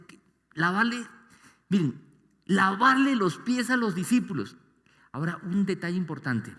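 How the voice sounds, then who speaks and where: A man preaching a sermon, animated and asking his listeners rhetorical questions. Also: a little high, in a large hall. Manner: animated, asks the congregation questions, mimics voices. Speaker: pastor. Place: large church hall.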